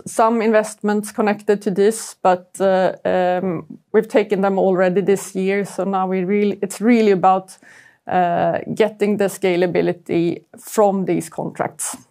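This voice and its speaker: A woman's voice: medium pitch, darkish tone. A woman giving a corporate earnings presentation as chief executive, searching for words as she goes.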